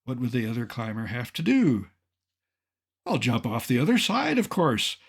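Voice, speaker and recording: A man in his seventies from Colorado, a naturalist giving an illustrated lecture with dry, wry humor and a measured delivery. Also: mid-range voice, huge pitch swings, creaky, breathy edge. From Colorado, United States. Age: 70s.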